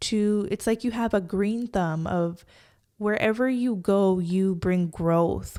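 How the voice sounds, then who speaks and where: Heard on a very clean recording with a silent background, a woman speaks at a medium pitch and a very slow pace. Her tone is dark and mellow, her intonation fairly even. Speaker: tarot reader. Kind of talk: tarot reading.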